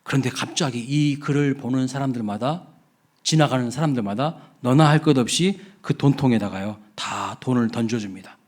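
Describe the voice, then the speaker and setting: A man's voice: mid-range voice, moderate pace, darkish tone. A man, a pastor, preaching a Children's Sunday sermon in church, telling stories and asking the congregation questions. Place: church sanctuary.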